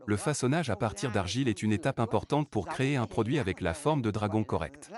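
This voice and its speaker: A man reading translated interview answers as a news voice-over, in a measured, even way. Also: fairly low pitch. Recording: voice-over with music beneath.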